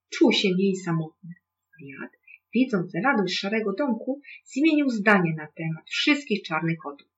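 A calm storyteller reading a children's tale aloud at a middling pitch. The recording is slightly dull and lo-fi, with a faint hum underneath.

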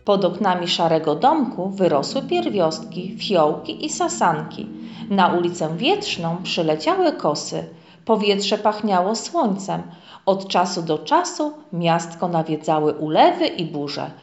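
A woman reading a children's story aloud in a gentle, lively storytelling manner. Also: mid-range voice. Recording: echoey, dull lo-fi room.

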